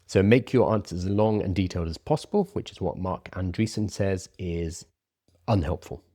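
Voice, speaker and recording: Deep-voiced man with soft, W-like R's. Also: breathy edge. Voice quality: soft R's pronounced like W's. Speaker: presenter teaching prompt writing. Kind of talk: conversational presentation to an audience.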